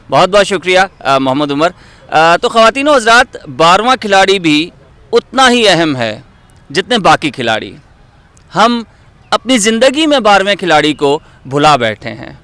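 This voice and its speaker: Theatrical Pakistani man, higher-pitched voice. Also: bright, forceful tone, dry recording. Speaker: host and poetry reader. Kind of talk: dramatic presentation and poetry recitation.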